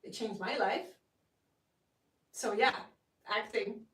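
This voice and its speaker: A woman's voice: medium pitch, takes it slowly, fairly bright tone. A young Dutch woman with a Dutch accent, a guest actress talking with gushing enthusiasm and lots of fillers. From Netherlands. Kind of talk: casual interview. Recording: roomy, distant from the mic.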